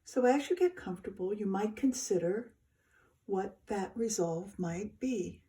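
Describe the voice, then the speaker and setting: Slow, mellow woman guiding meditation. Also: medium pitch. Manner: soft, soothing, unhurried with pauses between short phrases. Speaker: yoga nidra teacher. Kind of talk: guided meditation instruction.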